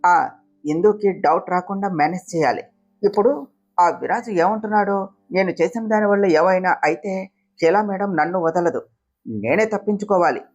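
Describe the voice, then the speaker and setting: Storybook figure: scheming, demanding young woman, read by a woman, whiny and husky. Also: fairly low pitch, moderate pace, darkish tone, lo-fi sound, lightly acted.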